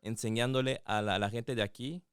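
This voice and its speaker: A man's voice: medium pitch, fairly even intonation, a little fast, smooth, no room sound, clean studio sound. A man co-hosting a casual interview, speaking Spanish mixed with bits of English. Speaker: podcast co-host.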